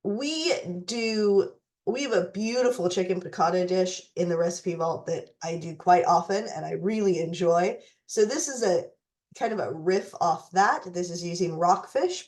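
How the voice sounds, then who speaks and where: A woman hosting a recipe tutorial who is losing her voice and fighting a cough, talking in a deliberate way with some fillers. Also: lowish voice, a little mellow. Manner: slow, deliberate, with fillers and restarts. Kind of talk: reading a letter, then walking through recipes.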